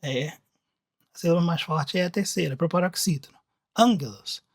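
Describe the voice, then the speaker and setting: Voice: medium pitch, fairly quick, no room sound, clean studio sound. A teacher with a Brazilian Portuguese accent explaining Bible words from slides in a recorded lesson, talking conversationally, thinking aloud and often restarting sentences.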